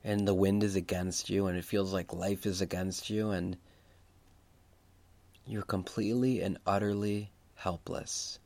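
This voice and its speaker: A man speaking as a preacher leading a guided Christian meditation, reflective and unhurried, repeating phrases for emphasis. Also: low-pitched, little pitch movement, warm tone.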